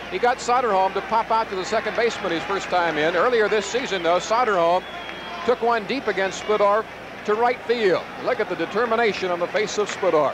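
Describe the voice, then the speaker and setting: A high-pitched man's voice at a fairly quick pace, ordinary pitch variation, dry sound with no echo and noticeable background noise. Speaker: baseball play-by-play announcer. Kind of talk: live baseball commentary; sports commentary. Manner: crisp, excited on home run call.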